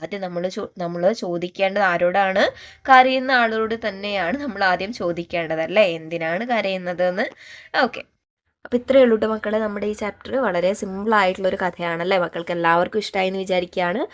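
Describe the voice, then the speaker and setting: Woman teacher for a children's lesson video, gentle, coaxing, full of questions. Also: mid-range voice, brisk. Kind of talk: primary school lesson for young children.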